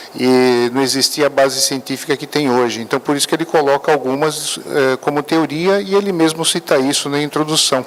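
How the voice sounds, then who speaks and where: A fairly high-pitched man with ordinary pitch variation talks at a moderate pace while noticeable background noise carries on. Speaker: spiritist lecturer. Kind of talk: lecture. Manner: halting.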